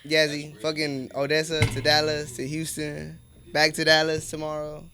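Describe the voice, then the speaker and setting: A woman's voice: sits low, completely flat delivery, moderate pace, background noise. A woman in her late twenties hosting a podcast, interviewing casually with laid-back slang and swearing. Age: late 20s. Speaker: podcast host.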